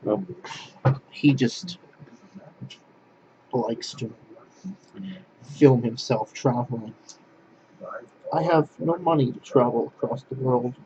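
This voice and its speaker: Halting, rambling man, lo-fi recording. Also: mid-range voice, warm tone. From northwest Pennsylvania. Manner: halting, repeats and restarts phrases. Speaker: language vlogger. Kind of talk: rambling monologue to camera. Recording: dull lo-fi sound with clear background noise.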